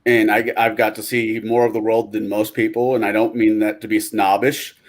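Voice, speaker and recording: A man chatting on a gaming podcast, animated and quick to swear. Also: lowish voice. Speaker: podcast co-host. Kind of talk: casual podcast chat.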